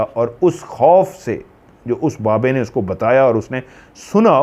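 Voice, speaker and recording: A man's voice: lowish voice, darkish tone, muffled recording. A man telling a horror story in a casual, rambling way, full of asides and self-corrections.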